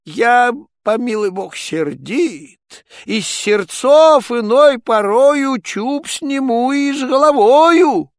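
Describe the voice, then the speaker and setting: A reader voicing an irate, bearded old tsar who shouts high-pitched threats in a storybook verse tale. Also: animated, takes it slowly, few pauses, no echo, clean studio sound. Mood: gruff mocking.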